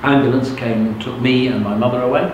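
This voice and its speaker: Here a motivational speaker, a middle-aged man from England who grew up speaking Russian, tells a live audience his life story. His voice sits mid-range with a quick pace and fairly even intonation, while the highs are cut off and the room is very echoey with background noise. He's open and conversational, regularly making sure the audience follows.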